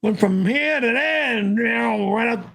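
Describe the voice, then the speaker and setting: A man's voice: extremely high pitch, animated, normal speed, vocal fry, a crowd in the background. A man hosting a live stream, cranky and indignant, swearing often. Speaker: livestream host. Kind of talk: profane live-stream banter.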